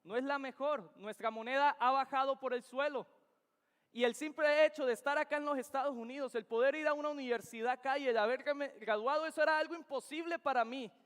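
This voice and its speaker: High-voiced preacher in a reverberant church. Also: male voice, brisk, fairly bright tone. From Venezuela. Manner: earnest, emphatic, repeating key phrases. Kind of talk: sermon. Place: church sanctuary.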